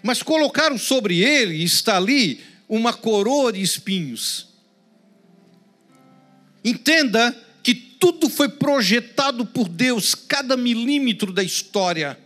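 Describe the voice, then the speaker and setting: Brazilian pastor, male, high voice, dramatic sermon delivery with hushed drops, faint music underneath. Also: animated, slow pace. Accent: Brazilian Portuguese. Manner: dramatic preaching, swings between loud emphasis and hushed prayerful tones.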